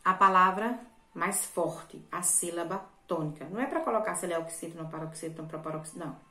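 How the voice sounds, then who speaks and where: A woman's voice: lowish voice, fast talker, pushed and bright, roomy sound. A woman teacher from Brazil, patiently explaining a lesson to children and often checking in with them. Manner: patient, repetitive, checks in with "certo?". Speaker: primary school teacher. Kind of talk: recorded remote lesson for children.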